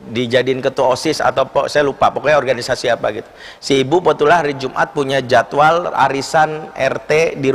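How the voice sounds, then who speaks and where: A male preacher with a mid-pitched voice, lively and storytelling, slipping into little voices for the people in his tales. His tinged speech rings out with a long reverb from a large mosque hall. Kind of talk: sermon with told stories.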